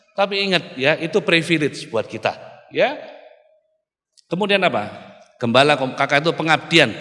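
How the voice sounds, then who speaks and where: A male pastor preaching an animated sermon, often calling out to the congregation. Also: on the high side. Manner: animated preaching, keeps calling the audience "saudaraku". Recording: reverberant hall.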